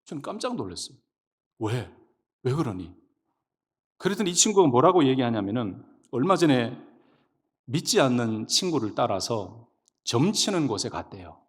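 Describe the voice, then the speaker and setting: A male pastor preaching a sermon, telling stories in an animated, emphatic way from the church pulpit. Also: medium pitch, normal speed, breathy edge. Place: church sanctuary. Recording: long reverb of a church hall.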